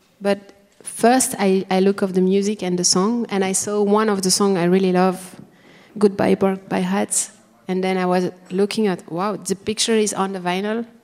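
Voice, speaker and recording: A woman with a non-native accent speaks at a moderate pace, her medium-pitched voice flat and monotone. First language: not English. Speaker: musician. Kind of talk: live interview on stage. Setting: stage with audience. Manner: halting.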